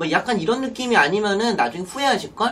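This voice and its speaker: A woman speaks in an animated tone with very wide pitch swings. Her pace is fairly quick. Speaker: internet broadcaster. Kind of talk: casual chat. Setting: live stream. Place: home room. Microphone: studio mic.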